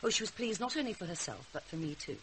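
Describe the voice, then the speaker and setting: Weary, sarcastic mother played by an actress, lively intonation. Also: mid-range voice, fast talker, lightly acted, low-quality recording. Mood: cynical, weary. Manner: dry, sardonic, brittle. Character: weary, sarcastic mother of a rebellious teenage girl. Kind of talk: naturalistic radio drama acting. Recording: hissy radio drama recording.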